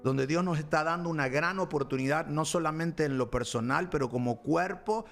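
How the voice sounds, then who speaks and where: A man's voice: fairly high pitch, moderate pace, gravelly, soft background music. A man hosting a Christian talk show as a pastor, speaking in a preachy, rambling way with fillers and restarts. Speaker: pastor and program host.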